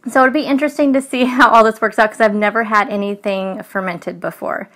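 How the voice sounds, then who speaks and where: A woman's voice: medium pitch, steady tone, brisk, fairly bright tone. A woman talking casually over her meal prep, chatty and loose, with frequent ums. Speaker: food vlogger. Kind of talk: casual voice-over narration of cooking.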